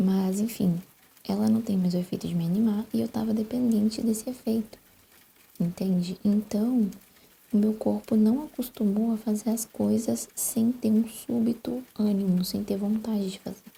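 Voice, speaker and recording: Soft-spoken and calm, a woman talks in a relaxed tone, somewhat breathy, dark and mellow at a fairly high pitch, with fairly even intonation, a fairly slow pace and long, frequent pauses. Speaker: ASMR creator. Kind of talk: ASMR soft-spoken chat while crafting. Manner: soft-spoken, calm, relaxed.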